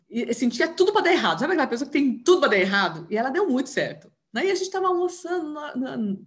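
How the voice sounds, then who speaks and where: A woman with a Brazilian Portuguese accent giving an informal teaching talk on family systems, often tagging her sentences with little questions. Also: on the high side. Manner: chatty, tags sentences with questions; acts out dialogue in raised voice.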